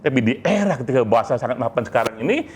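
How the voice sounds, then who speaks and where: A man giving an informal, emphatic monologue to a community, with deliberate pauses and small tag words. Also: medium pitch, lively intonation, darkish tone, husky. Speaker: speaker, leader of a poetry community.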